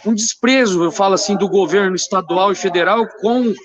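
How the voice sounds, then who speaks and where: A Brazilian man, a shop owner calling in to an interview, speaking haltingly and repeating words over a phone line that keeps breaking up. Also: high-pitched.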